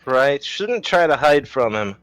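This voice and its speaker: A man playing a tabletop game, chatting casually in a playful, halting way. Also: medium pitch, sing-song, a bit bright, clean tone, dry recording, faint music behind, rough recording. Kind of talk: casual chat.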